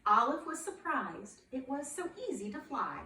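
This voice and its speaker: A woman reading a children's picture book aloud in a playful, expressive way, asking her young listeners questions. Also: high-pitched, normal speed, reverberant, recorded from a distance, slight background noise.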